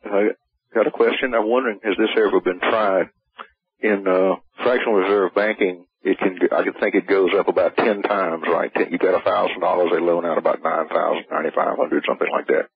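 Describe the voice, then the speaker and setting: A man calling in to a radio talk show over a clipped phone line, asking his questions in a halting, step-by-step way. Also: sits low, steady tone, gravelly, breathy edge. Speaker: caller. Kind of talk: call-in question to a radio host.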